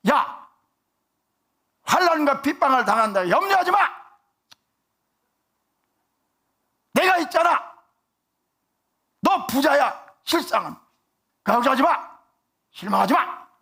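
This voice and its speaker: A pastor shouting as a brash Lord. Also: male voice, extremely high pitch, very animated, a little slow, pauses often, voice pushed up, exaggerated voice. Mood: brash reassuring. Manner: shouting, blunt and scolding. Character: loud brash reassuring Lord, adult man.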